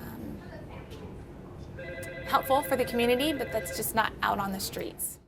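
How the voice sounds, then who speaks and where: A woman with strong vocal fry answers interview questions as an emergency call taker. Her speech is unscripted, with noise and room ambience behind her. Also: a little high, measured pace.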